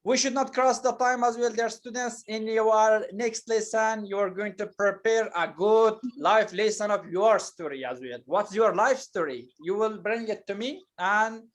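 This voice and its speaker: A man teaching an English lesson, explaining patiently and slowly with many hesitations and fillers. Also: sits high. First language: not Turkish.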